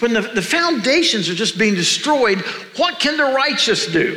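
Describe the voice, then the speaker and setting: With noticeable background noise behind him, a man talks in a raised, projected voice that swings very widely in pitch. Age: 70s. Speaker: pastor. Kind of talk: sermon. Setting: church.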